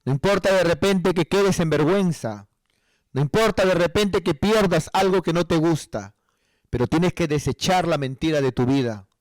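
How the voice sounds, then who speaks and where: A man's voice: fairly high pitch, moderate pace, no room sound. Emphatic preacher man, dry sound. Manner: preaching with rising emphatic passages, acting out prayers. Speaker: pastor. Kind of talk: sermon.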